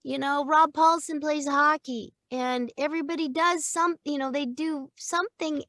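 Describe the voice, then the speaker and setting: An older woman, a voice actor, chatting about her work in an animated, laughing way from a recording booth. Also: sits high, moderate pace, dry recording, clean studio sound. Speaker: voice actor guest. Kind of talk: casual interview chat. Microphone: studio microphone.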